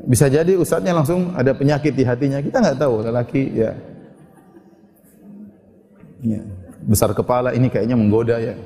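A male Islamic preacher, lecturing a women's audience and reciting scripture slowly before explaining it. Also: mid-range voice, dark tone. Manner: recites Arabic verses slowly then explains. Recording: long hall reverb.

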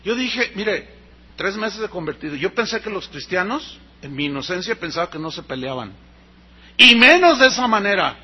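A Mexican man preaching a sermon, telling a personal story and acting out the dialogue with lively energy. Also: sits high, moderate pace, dull audio, slight background noise. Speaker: pastor.

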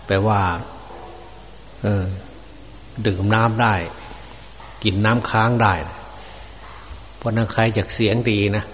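A man preaching as a monk, folksy and unhurried, with many fillers. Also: lowish voice, level tone, fairly bright tone. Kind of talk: Dhamma sermon. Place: open temple hall. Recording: distant reverberant hall with faint noise.

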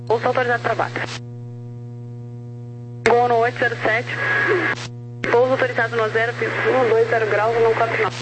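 A man with a Brazilian accent working as a tower controller, giving rapid instructions over aviation radio. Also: very high voice, monotone, muffled recording. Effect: radio transmission. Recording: noisy radio channel with hum.

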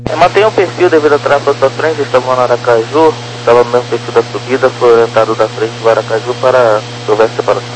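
A man's voice: medium pitch, fairly even intonation, fast talker, hardly any pauses. A Brazilian man speaking in clipped aviation phraseology over a radio. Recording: noisy humming aviation radio transmission.

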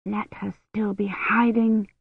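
An anxious young woman murmurs her thoughts low and tense, as an audiobook reader voices her. Her spoken replies stay careful and guarded. The sound is dry and slightly muffled. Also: normal speed, dry recording, natural voice. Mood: hushed. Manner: hushed, tense inner thoughts. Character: anxious young woman, secretly desperate to slip away.

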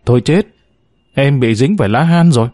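A quiet, cautious engineer husband in a spoken story, voiced by a man. He speaks calmly in a warm, dark-toned voice. The recording is dry and close, without any room sound. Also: medium pitch, brisk, dry recording, close to an everyday voice. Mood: mild.

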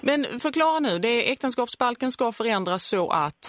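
A woman hosting a radio phone-in from the studio, calmly and gently challenging her callers. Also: a little high, dry recording. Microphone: studio microphone.

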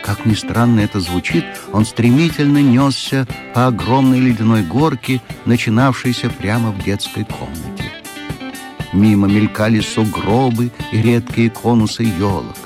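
A man's voice: lowish voice, normal speed. Male audiobook narrator over music.

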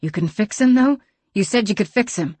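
A woman's voice: mid-range voice, lively intonation, normal speed, dark tone, no echo, pitched above the performer's own voice. A woman doing a blunt frontier gunslinger woman. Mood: fierce. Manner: blunt, rough Western talk.

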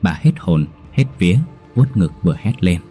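Deep dark husky male storyteller. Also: expressive, moderate pace. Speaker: horror story narrator. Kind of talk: scripted ghost story narration. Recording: faint background music.

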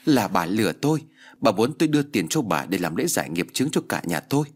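A man's voice: on the low side, very animated, fast. A man voicing a desperate young wife and mother who pleads in anguish in a spoken story.

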